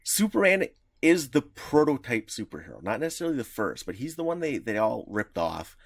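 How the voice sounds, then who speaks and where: Animated man chatting on a podcast. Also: mid-range voice, fairly quick, gravelly, slightly rough, no echo, studio quality. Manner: rambling, many restarts, laughs easily. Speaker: podcast co-host. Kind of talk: casual chat.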